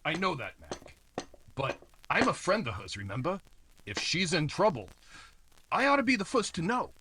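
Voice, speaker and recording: A man's voice: a little high, sing-song, normal speed, bright, forceful tone, breathy edge, dry recording, full character voice. An actor playing a nosy, slimy apartment house manager who wheedles in tough-guy slang, in old-time radio noir style. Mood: insinuating.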